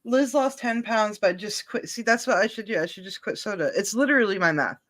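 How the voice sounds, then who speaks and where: A chatty woman in her thirties talks loosely and jokes about herself, cursing without a second thought. Her voice sits at an ordinary middle pitch. She sounds like a co-host tossing remarks around on a casual stream. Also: lively intonation, fairly quick, fairly bright tone. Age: 30s. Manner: chatty, self-mocking, swears freely. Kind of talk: casual chat.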